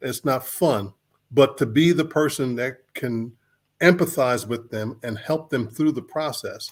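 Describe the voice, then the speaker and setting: A man talks at a fairly slow pace with fairly high pitch and ordinary pitch variation. The recording is very clean, with a silent background. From Philadelphia. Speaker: retired state trooper. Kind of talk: interview. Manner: halting.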